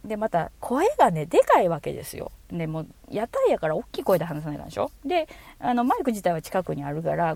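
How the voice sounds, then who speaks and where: A woman with a Kansai accent hosting a casual solo podcast, chatty, giggling often and trailing off into soft asides. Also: mid-range voice, vocal fry, no room sound. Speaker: podcast host.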